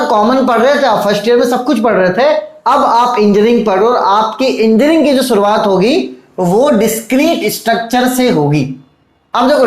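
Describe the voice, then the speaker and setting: A man giving a casual video lecture as an online tutor, fatherly, calling his students "beta" and checking they follow. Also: high voice. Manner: fatherly, calls students "beta", keeps asking "theek hai". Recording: echoey room.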